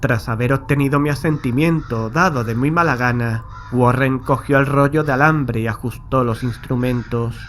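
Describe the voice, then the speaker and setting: A man's voice: medium pitch, normal speed, hardly any pauses, fairly bright tone, natural voice. A haunted man from played by an actor tells his horror tale in a mid-range voice. His delivery is grave, literary and anxious, over a faintly noisy night backdrop. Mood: grave recollection. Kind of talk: first-person horror audiobook narration. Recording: faint night ambience behind the voice.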